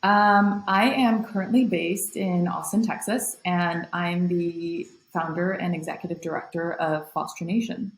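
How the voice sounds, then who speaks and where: A woman's voice: on the low side, fairly even intonation, unhurried, few pauses, roomy sound, poor audio. A young woman from Taiwan, a nonprofit founder, talking reflectively as a podcast guest with many fillers. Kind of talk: podcast interview.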